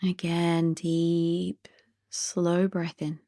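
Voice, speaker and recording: A woman gently guiding a sleep meditation in a soothing, soft and breathy voice that drifts toward a whisper. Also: lowish voice, monotone, extremely slow, no room sound, clean studio sound. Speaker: meditation guide.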